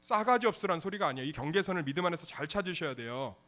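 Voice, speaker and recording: Animated, high-voiced male pastor preaching. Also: very fast. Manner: animated, acts out dialogues in voices. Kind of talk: sermon.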